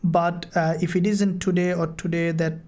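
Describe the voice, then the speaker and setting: Woman, live-stream host, relaxed dark tone, little pitch movement, halting casual speech, mentor answering questions.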